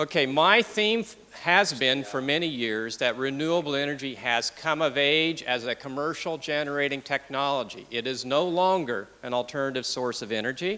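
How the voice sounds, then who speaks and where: Speaking with an American accent at a moderate pace, a man with an unremarkable speaking voice has fairly high pitch, lively intonation, and hardly any pauses. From United States. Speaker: wind energy expert, conference speaker. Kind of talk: conference talk.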